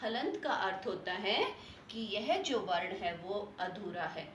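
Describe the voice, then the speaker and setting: A woman's voice: medium pitch, lively intonation, fairly bright tone, a little hiss or hum. A woman teacher explaining spelling and pronunciation, asking questions and answering them herself, drawing out the words she models. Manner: slow, drawn-out model pronunciations. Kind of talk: Hindi spelling and pronunciation lesson. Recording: echoey room, voice from a distance.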